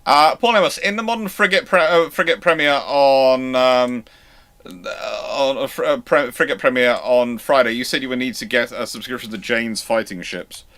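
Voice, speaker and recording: A man hosting an unscripted livestream, answering questions in a halting, rambling way with repeated and restarted phrases. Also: medium pitch, a bit bright. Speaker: host of a naval history livestream.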